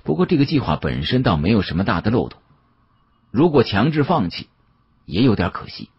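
A man reads a novel aloud with dramatic flair. His voice is deep and heavily husky, moving through animated rises and falls in a colloquial storyteller's manner. The recording is close and dry, though somewhat dull. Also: fairly quick. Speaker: audiobook narrator. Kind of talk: dramatic first-person novel narration. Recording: muffled, dull lo-fi audio.

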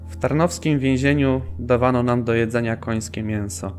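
An actor playing a principled prisoner in a subdued radio documentary drama monologue. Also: male voice, medium pitch, normal speed, faint music behind, lightly acted. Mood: subdued, resolute. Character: principled, subdued male prisoner refusing food despite hunger.

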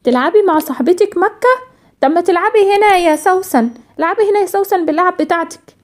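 A woman's voice: very high voice, fast talker. A woman voicing a patient, affectionate mother with an Egyptian accent. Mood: gentle. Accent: Egyptian Arabic. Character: gentle caring mother of a young girl.

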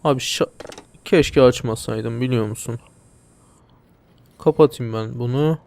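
A man's voice: medium pitch, measured pace, gravelly, darkish tone. A young man casually commenting on a video game, joking and talking back to the characters and the viewers. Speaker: let's play commentator.

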